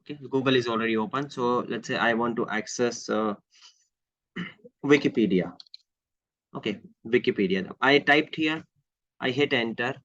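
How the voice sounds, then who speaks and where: A man with an Indian accent works as an IT trainer, leading a live online lesson over screen share and walking through each step with repeated phrases, a little Hindi, and slightly unclear articulation. His voice is mid-range and fairly bright, at a moderate pace with frequent pauses. The audio is dry, dull and lo-fi, picked up by a close microphone.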